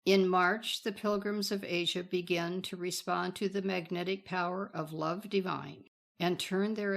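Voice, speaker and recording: A woman's voice: fairly low pitch, creaky. A woman reading a scripted spiritual teaching in a solemn, reverent, formal manner.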